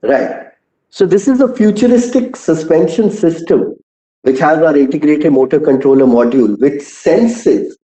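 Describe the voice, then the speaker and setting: A man with an Indian accent giving a prepared earnings call presentation as a company executive, measured and articulate, with deliberate emphasis. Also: a little high, warm tone. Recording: muffled, echoey conference call audio.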